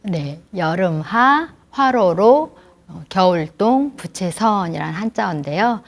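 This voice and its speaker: A woman lecturing grandparents in a gentle, explanatory way, often asking the audience questions. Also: mid-range voice, animated, takes it slowly, gravelly.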